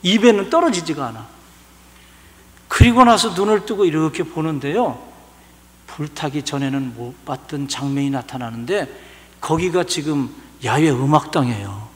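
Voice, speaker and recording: Male pastor, lively sermon delivery, higher voice, reverberant church hall recording. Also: moderate pace. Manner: animated preaching with sudden loud and soft swings.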